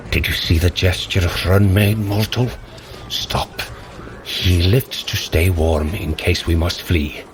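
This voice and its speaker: An actor playing an excitable god disguised as a dog in an audio adventure, coaching urgently and breaking into spoken barks. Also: male voice, deep voice, slow, a little hiss or hum. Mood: tense, commanding. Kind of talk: audio adventure drama for runners.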